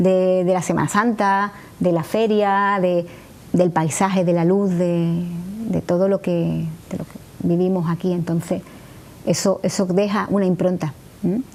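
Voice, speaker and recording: In an Andalusian accent, a woman with a medium pitch speaks in a flat monotone, leaving long, frequent pauses. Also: fairly slow pace. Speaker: poetry expert. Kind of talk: TV interview.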